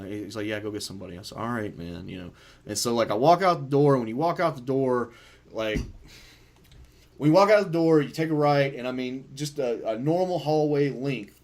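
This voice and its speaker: A man hosting a podcast, telling a story in a loose, profane, animated way. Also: mid-range voice. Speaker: podcast host. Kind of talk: casual storytelling chat.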